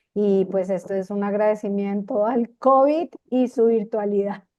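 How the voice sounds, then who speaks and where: Here a woman speaks at a fairly slow pace in a medium pitch. Her pitch varies in an ordinary way. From Colombia, Bogotá. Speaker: transport engineering consultant and cultural presenter. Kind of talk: presentation talk. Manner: hesitant with fillers.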